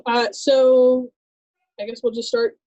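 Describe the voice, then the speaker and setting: A woman from Southern California, in her thirties, tells her personal story as a podcast guest. Her voice sits a little high but sounds mellow and warm, and she talks easily with plenty of "uh"s and small laughs. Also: slow pace. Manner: relaxed, laughs easily, many fillers. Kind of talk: personal testimony in casual chat.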